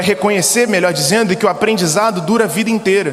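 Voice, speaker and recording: The recording carries audible room echo. The voice belongs to a man. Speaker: preacher at youth service. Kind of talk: sermon. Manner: fast.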